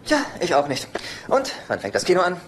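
An actor playing a neurotic, self-pitying middle-aged brother in a dubbed sitcom, wordy and whiny. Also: male voice, high voice, huge pitch swings, a little fast, fairly bright tone, slight background noise, full character voice. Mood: chatty, griping.

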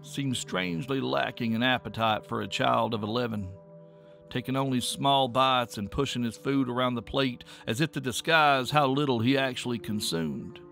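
A man narrates a dark country tale in a slow, measured, folksy manner. His voice is gravelly and mid-pitched. Faint music plays underneath. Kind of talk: scripted horror storytelling podcast narration.

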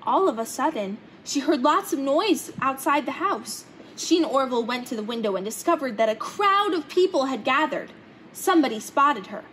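A young woman reading a children's picture book aloud in an expressive storytelling way. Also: high voice, normal speed, a little hiss or hum, low-quality recording. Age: young adult. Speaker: storybook reader. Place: indoor hangar-like museum room, seated in open cockpit.

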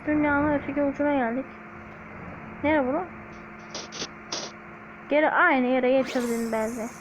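A woman's voice: high-pitched, steady tone, unhurried, background noise. A young woman playing a video game, chatting jokingly to her viewers in a put-on Black Sea Turkish accent. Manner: joking, chatty, talks to viewers, hums snippets. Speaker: gaming YouTuber. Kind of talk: casual gameplay commentary.

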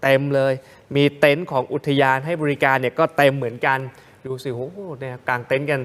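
A man's voice: medium pitch, fairly even intonation, quick pace, fairly bright tone. A man co-hosting a morning news show, joking with his co-host while narrating travel footage. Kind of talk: casual live TV chat over travel footage.

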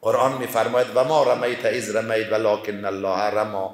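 Afghan preacher in an echoey prayer hall. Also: male voice, on the low side, level tone. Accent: Afghan Dari. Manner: emotional, slows and drops to a soft mournful tone. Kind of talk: sermon with mourning narration.

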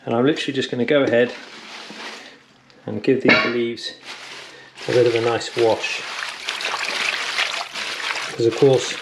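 A man's voice: medium pitch, level tone, measured pace, long pauses, heavy background noise. A man in his thirties giving an upbeat, practical outdoor how-to lesson as a bushcraft instructor, speaking on an action camera in the woods and a cabin. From England. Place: woodland camp and wooden cabin.

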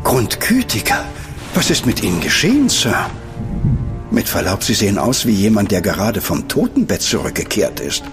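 A deferential butler. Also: male voice, fairly low pitch, wildly swooping pitch, normal speed, music in the background. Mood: concerned. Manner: polite, deferential. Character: formal, solicitous household butler. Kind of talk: German radio drama acting.

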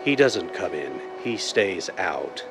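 Man playing a deep-voiced, menacing blind crime boss. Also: very animated, heavily acted. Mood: cold, commanding. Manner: deliberate, commanding, theatrical. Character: blind, cold, menacing male crime mastermind called the Owl. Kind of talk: 1930s radio drama acting. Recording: noisy vintage-style radio drama recording.

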